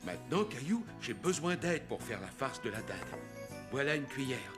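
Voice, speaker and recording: Jolly, very animated cartoon grandpa, played by a man. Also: mid-range voice, normal speed, music in the background, natural voice. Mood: kindly. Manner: playful, theatrical. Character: jolly, playful old grandfather, an amateur showman. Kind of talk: French-dubbed children's cartoon acting.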